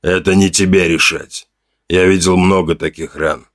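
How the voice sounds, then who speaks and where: A man's voice: sits low, steady tone, no room sound, studio quality, pitched below the performer's own voice, natural voice. A man doing a grim tribal chief. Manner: gruff, slow, somber. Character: grim older male tribal chief, stern.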